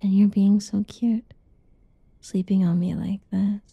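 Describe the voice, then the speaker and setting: A young woman doing a whispered ASMR roleplay in a soft, teasing whisper, recorded close and dull. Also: medium pitch, level tone, measured pace, gravelly, husky, dry recording.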